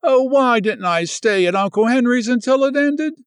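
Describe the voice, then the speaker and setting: A man's voice: very high-pitched, expressive, normal speed, smooth, no room sound, clean studio sound, voice pushed up. A man voicing a feverish, distraught young woman who pleads desperately. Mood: despairing.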